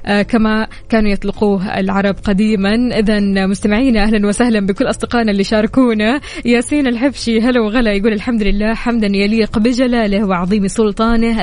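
A woman's voice: medium pitch, steady tone, fast talker, darkish tone. A woman with a Saudi accent co-hosting a radio morning show, chatting directly to listeners over music. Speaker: radio co-host. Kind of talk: lively morning radio chat. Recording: music bed behind voice. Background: faint music.

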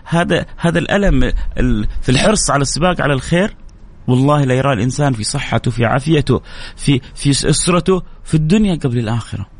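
A man's voice: mid-range voice, expressive, quick pace, slight background noise. A man preaching an emotional sermon, pleading and repeating phrases with stammered restarts.

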